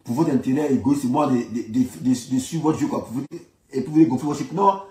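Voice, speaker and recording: Here a man from Ivory Coast, speaking with the local accent, launches into a casual political tirade, forceful, repetitive and combative. His voice is medium-pitched, mellow and a little quick, captured in an echoey, spacious room.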